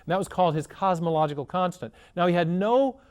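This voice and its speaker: A man's voice: high-pitched, animated, fast, clean tone. Earnest man explaining at length. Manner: earnest, storytelling explainer who restarts phrases. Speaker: guest scholar. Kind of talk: explanatory interview talk.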